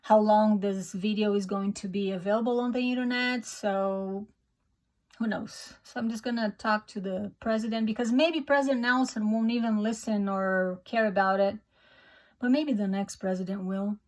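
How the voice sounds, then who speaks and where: Her mid-range voice fairly even and at normal speed, a middle-aged Brazilian woman talks to camera as a YouTuber. A native Portuguese speaker, she speaks English earnestly with a Brazilian Portuguese accent and occasional hesitant restarts.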